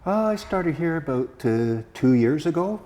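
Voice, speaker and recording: A man's voice: on the high side, animated, normal speed, dark tone. A man, a volunteer camera operator, answering interview questions in a studio, plain and modest with many hesitant fillers. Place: community TV studio.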